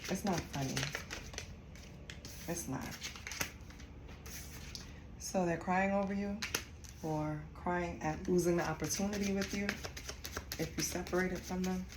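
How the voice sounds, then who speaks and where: A Costa Rican tarot reader gives a casual reading, speaking bluntly and swearing freely. Her lowish voice keeps a measured pace with long pauses, recorded in an echoey room with steady background noise.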